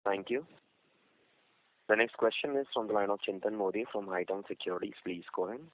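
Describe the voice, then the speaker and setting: A man moderating a conference call as operator, brisk and formal. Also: fairly low pitch. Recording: tinny phone line.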